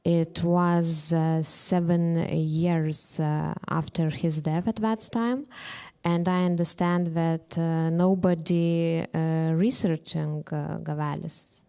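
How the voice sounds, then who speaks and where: A woman's voice: low-pitched, fairly even intonation, slow pace, creaky, warm tone, clean tone. A woman literary researcher, speaking hesitantly on a discussion panel with many fillers.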